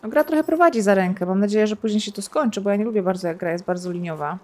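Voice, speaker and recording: A woman's voice: medium pitch, very fast, a little mellow. Chatty woman narrating her gameplay. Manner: chatty, thinks aloud, playful sound effects. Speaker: gaming streamer. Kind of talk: casual let's-play commentary.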